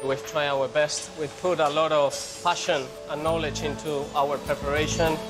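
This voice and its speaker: A man, a chef contestant, calmly reflecting on service in an interview. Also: fairly high pitch, normal speed, loud music behind the voice.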